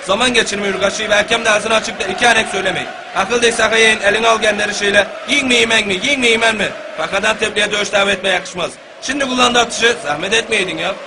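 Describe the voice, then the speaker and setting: A noisy recording with ambience behind a comic Turkish football commentary. The commentator , acted by a man, is an exasperated, foul-mouthed local partisan with a Gaziantep accent. He talks fast in a high-pitched voice, sliding from formal match calls into folksy grumbling. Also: lightly acted. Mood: grumbling, wry. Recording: clear background noise and ambience.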